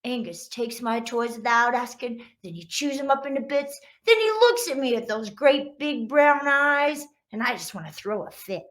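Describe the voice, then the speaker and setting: A whiny, jealous big-brother dog from a children's storybook, acted out by a woman reading aloud. The voice is high and bright, grumbling about life with younger siblings. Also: very animated, normal speed, hardly any pauses. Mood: aggrieved, grumbling.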